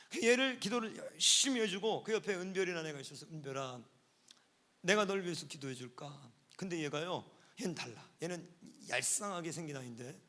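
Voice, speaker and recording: A male pastor preaching a sermon at a church service, telling stories and moving between hushed, quiet passages and loud, fervent outbursts. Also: high-pitched. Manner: storytelling, swinging between hushed and shouting.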